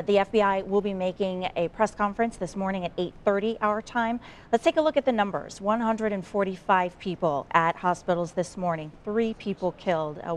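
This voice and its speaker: A woman's voice: fairly low pitch, a little hiss or hum. A woman anchoring a live local morning TV newscast, talking to viewers directly in a conversational way.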